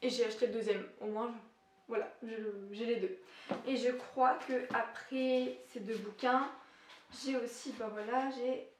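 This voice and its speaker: Young female book vlogger, casual and self-deprecating, a touch high-pitched. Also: fairly even intonation, unhurried, distant mic, a little hiss or hum. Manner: chatty, self-deprecating, laughs often. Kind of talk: casual book haul chat. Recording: echoey room.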